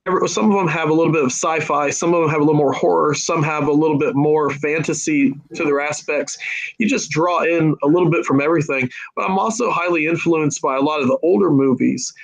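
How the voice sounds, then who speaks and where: A fairly high-voiced man talks about his horror writing in a relaxed podcast chat. He rambles a little, with fillers, and sounds eager and enthusiastic. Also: rough recording. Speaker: horror story author. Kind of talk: casual podcast discussion.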